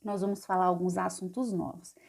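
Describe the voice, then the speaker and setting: A woman's voice: on the low side, flat delivery, gravelly, darkish tone. A Brazilian woman teaching an adult literacy class, sounding out syllables letter by letter and often checking in with her students. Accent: Brazilian Portuguese. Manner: patient, spells letters slowly, checks in with "tá bom?".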